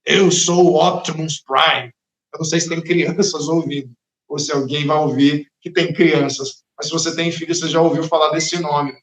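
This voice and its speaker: A man preaching a sermon as pastor, expressive and dramatic, sometimes acting out the voices of the people he talks about. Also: a little high, brisk, echoey room.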